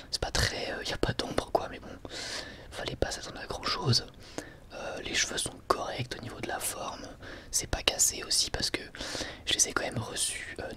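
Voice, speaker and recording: An ASMR host whispering a casual, drily ironic product presentation in a hesitant, conversational way. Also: sharp tone.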